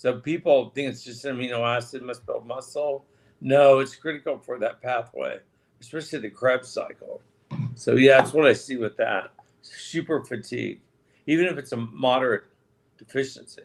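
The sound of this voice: A man performs a raspy, put-on character voice. His pitch is medium and his pace moderate.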